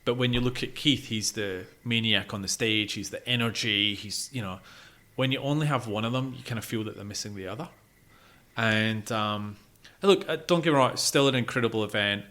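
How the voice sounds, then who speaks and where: Guy podcast cohost just chatting about gigs, pretty bright forceful voice. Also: fairly low pitch, fairly quick. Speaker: podcast co-host. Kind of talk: casual chat about gigs.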